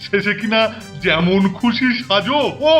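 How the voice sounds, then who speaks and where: A doting, pompous hostel superintendent from a cartoon, pitched high for a man. He talks slowly and theatrically, repeating himself, with music clearly behind. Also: pushed and bright. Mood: gushing, doting. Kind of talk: exaggerated cartoon acting.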